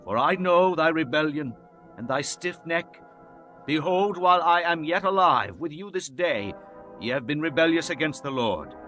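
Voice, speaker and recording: Casting: male actor as aged Hebrew prophet, fairly high-pitched, stern, fervent, oratorical delivery for dramatized scripture, music underneath. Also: lively intonation, normal speed, sharp tone. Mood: stern reproach. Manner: solemn, declamatory, oratorical.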